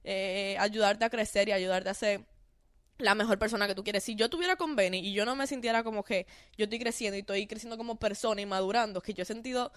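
A woman's voice: medium pitch, quick pace, dry recording. A woman with a Dominican accent, a podcast guest chatting openly about her own experiences. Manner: chatty, talks through her story openly. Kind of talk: casual podcast chat.

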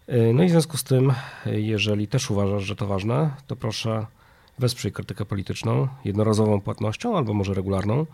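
A man with a nasal, stuffed-nose and hoarse voice, presenting a podcast monologue. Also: fairly low pitch, a little mellow. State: hoarse from a viral illness. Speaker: podcast host. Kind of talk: podcast monologue, partly scripted.

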